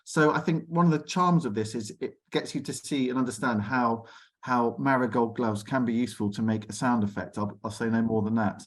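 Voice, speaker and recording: A man's voice: medium pitch, brisk. A man with a mid-range voice moderates an informal video-call panel. He is chatty and wanders through his questions before landing on them. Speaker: discussion host.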